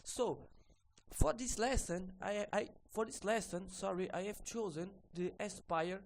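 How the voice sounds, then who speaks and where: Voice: medium pitch, measured pace, creaky, slight background noise, rough recording. Instructor. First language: Portuguese. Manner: ends phrases with a questioning "okay?", repeats himself. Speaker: repair course instructor. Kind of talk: screen-recorded tutorial walkthrough.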